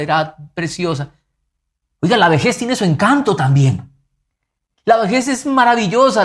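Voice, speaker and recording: A man preaching a sermon as pastor, earnest and emphatic, swinging from lively rises to soft, quiet drops. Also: a little high.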